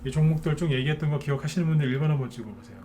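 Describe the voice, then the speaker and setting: A man's voice: fairly high pitch, rapid-fire, warm tone, a little hiss or hum. A man giving a live stock market lecture to viewers, talking in a chatty way and often checking in with them through short tag questions.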